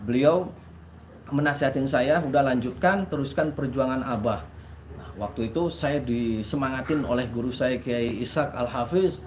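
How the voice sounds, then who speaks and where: A man's voice: a little high, a little hiss or hum. A man who works as a spiritual practitioner, telling a dramatic personal story to his listeners with frequent restarts.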